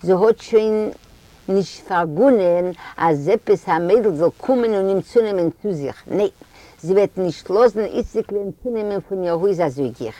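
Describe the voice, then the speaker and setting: A storyteller reading a story aloud at an unhurried pace, voicing the characters' dialogue. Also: medium pitch, mellow, no echo.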